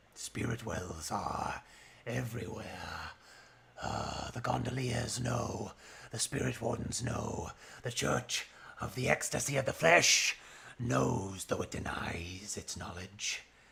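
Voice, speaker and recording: Over light background noise, a man at medium pitch does a put-on character voice at a fairly slow pace. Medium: actual play. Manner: cryptic, incantatory.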